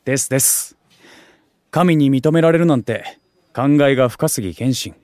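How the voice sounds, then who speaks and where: An actor playing an excitable young otaku food streamer in an audio drama, talking in geeky slang with exaggerated reactions and junior-style politeness. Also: male voice, medium pitch, moderate pace, no echo, clean studio sound, natural voice. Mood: earnest. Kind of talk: Japanese audio drama acting.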